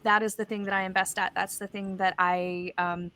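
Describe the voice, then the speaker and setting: A woman's voice: mid-range voice, level tone, moderate pace, pushed and bright, clear, resonant tone. A woman speaking casually as a writer on a panel, sharing advice from experience. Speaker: playwright and panelist.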